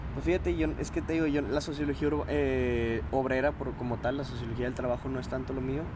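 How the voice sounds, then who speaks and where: A man talking at a very fast pace with hardly any pauses, amid audible room echo and noticeable background noise. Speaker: sociology student. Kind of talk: casual chat.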